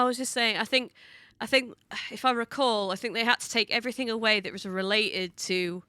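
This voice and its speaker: A woman's voice: medium pitch, clear, resonant tone, no room sound. A woman with a bunged-up, congested voice, chatting casually and laughing while playing a game. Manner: chatty, laughs often, reasons out loud. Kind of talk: casual let's-play chat.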